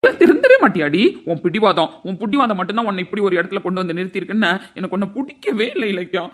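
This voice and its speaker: A woman voicing an angry, scornful young husband in an amateur audio drama, shouting and scolding. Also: mid-range voice, very fast, close to an everyday voice. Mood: furious. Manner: shouting, scolding, repeats "understand?".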